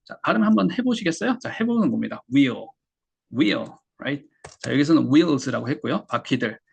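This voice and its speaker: Korean guy teaching english, gravelly husky voice, patient, repeats words slow. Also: a little high, big pitch swings. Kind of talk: explaining lesson.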